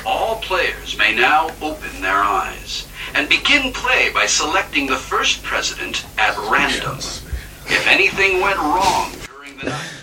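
A man narrating a game in a spooky, dramatic scripted style, hushed and often dropping to a whisper, heard from a distance. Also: fairly high pitch, big pitch swings, unhurried, music in the background. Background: clear background noise.

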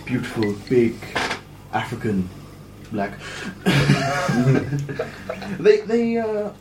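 A man improvising a boastful tall tale in character, rambling and halting as he goes. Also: mid-range voice, very animated. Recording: echoey room with faint noise.

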